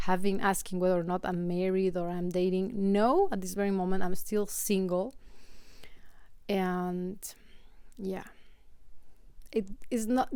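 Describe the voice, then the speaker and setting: A young woman with a Mexican Spanish accent talks straight to camera, her English carrying the rhythm of a native Spanish speaker. Her voice is smooth and clear, recorded close and dry. She sounds animated and exasperated, piling up fillers and restarting her sentences as she goes. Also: medium pitch, dry recording. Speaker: vlogger. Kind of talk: casual commentary to camera.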